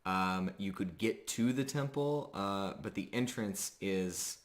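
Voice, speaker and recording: A man runs a tabletop game as game master in a low voice. He improvises scene descriptions slowly and haltingly, feeling his way through the details.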